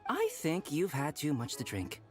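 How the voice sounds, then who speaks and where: Calm polite restaurant owner, reassuring, mid pitch. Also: normal speed, faint music behind. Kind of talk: game voice acting.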